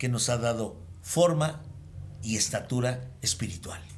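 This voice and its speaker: A man speaks at a fairly slow pace in a somewhat breathy, medium-pitched voice with ordinary pitch variation. Audible room echo surrounds him. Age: 70s. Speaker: AA veteran sponsor. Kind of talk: casual chat.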